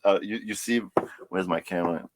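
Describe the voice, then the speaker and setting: A man's voice: deep voice, normal speed, very noisy. A man from Germany with a German accent touched by Australian, chatting as a podcast guest in a self-deprecating way over a remote call. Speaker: guest slingshot maker. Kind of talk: casual podcast interview.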